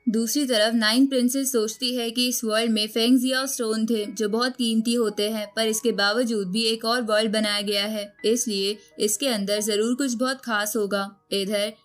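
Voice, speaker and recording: A woman with a fairly high voice narrates a story recap from a script. She tells it as a storyteller, moving from one event to the next. Background music runs beneath her voice. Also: fairly even intonation, moderate pace, few pauses. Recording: music bed under the voice.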